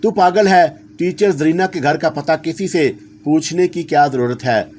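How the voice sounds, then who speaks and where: A man's voice: on the high side, animated, normal speed, darkish tone, slight background noise, close to an everyday voice. A man voicing a mischievous male jinn who teases and coaxes in a sly, playful way. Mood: teasing.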